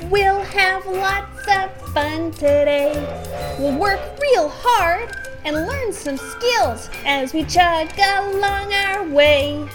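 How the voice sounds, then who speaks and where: A woman's voice: very high voice, drawn-out words, over music, exaggerated voice. A woman playing a cheery sing-along character in a parody of a children's show. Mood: cheery, singsong.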